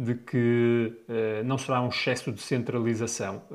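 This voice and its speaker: Speaking fairly slowly, a man uses a medium-pitched voice. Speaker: podcast host. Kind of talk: interview conversation.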